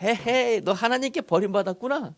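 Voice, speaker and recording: A preacher mimicking a jeering mocker. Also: male voice, very high-pitched, moderate pace. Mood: mocking. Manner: jeering, with a snicker. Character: scornful man taunting a believer.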